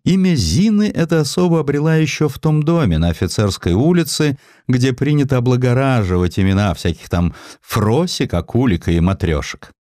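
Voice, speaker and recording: A man's voice: medium pitch, expressive, normal speed, hardly any pauses, a little mellow, dry recording, studio quality, voice pushed up, close to an everyday voice. A man voicing a disdainful, gossiping woman in an audiobook, snide and confiding. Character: disdainful, gossiping sister of a poet, adult woman. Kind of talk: audiobook character voice.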